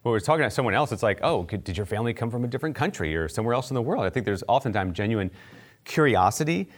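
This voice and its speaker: A man's voice: mid-range voice, expressive, rapid-fire. A man from near Baltimore giving a conversational Christian teaching talk, with fillers and light asides. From United States, near Baltimore. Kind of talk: teaching talk on faith and culture.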